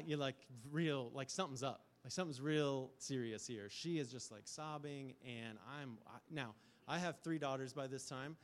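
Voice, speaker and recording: A middle-aged man giving a conversational sermon as pastor, telling stories with frequent fillers. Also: medium pitch. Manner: storytelling, animated with frequent fillers.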